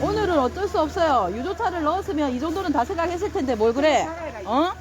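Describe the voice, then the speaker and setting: A woman's voice: sits high, lively intonation, quick pace. A woman at an outdoor protest who scolds the police, insistent and repeating her demands. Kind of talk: heated street confrontation.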